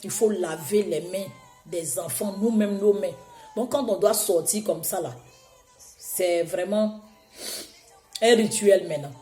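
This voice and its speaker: Hoarse woman preaching in an echoey room. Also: medium pitch, a little slow, pauses often, mellow, faint music behind. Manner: exhorting, repetitive, emphatic. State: hoarse from a cold. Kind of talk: sermon.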